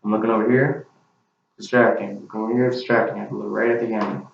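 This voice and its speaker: A man's voice: on the low side, little pitch movement, quick pace, vocal fry, slight background noise. A young man giving a class speech to a camera, with an earnest, plain delivery. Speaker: student. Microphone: camera mic. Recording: very echoey, distant, dull camera recording.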